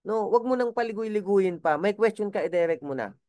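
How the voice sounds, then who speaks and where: A man's voice: sits high, animated, fairly quick, a little mellow, no room sound, studio quality. A man leading a motivational business training, coaching his team and often checking for their agreement. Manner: coaching, repeatedly asks the audience for agreement.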